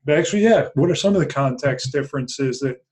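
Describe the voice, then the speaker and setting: A man's voice: on the high side, lively intonation, a little fast, darkish tone. Man in his thirties hosting a podcast. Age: 30s. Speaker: podcast host. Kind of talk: interview questions.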